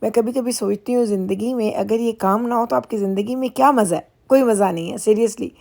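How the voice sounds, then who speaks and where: Chatty middle-aged woman with gravelly voice. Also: on the high side, fairly quick, a little mellow. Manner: chatty, rambling, laughs easily. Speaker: vlogger. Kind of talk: casual vlog chat. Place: car while driving, then dealership lounge.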